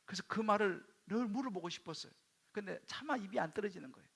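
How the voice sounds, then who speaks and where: A male pastor telling a personal story in a sermon, dropping to hushed quoted asides and rising into sudden loud bursts. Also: sits high, fast talker, creaky, husky. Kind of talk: sermon testimony.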